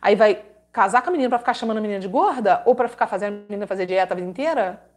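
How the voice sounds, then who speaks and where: Rapid-fire and animated, a woman with a mid-range voice hosts a live advice stream, reading letters aloud and counseling on relationships. She's emphatic and scolding, leaning on dramatic repetitions and religious exclamations.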